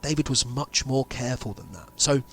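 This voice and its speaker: A man playing a grave insider revealing a sinister conspiracy in an amateur audio drama, speaking deliberately with dramatic pauses. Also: medium pitch, a bit bright. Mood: explanatory, intent.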